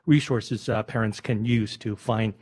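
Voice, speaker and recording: A man calling in to a radio show to pitch an idea, speaking haltingly with many pauses. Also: steady tone, darkish tone, husky. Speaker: caller.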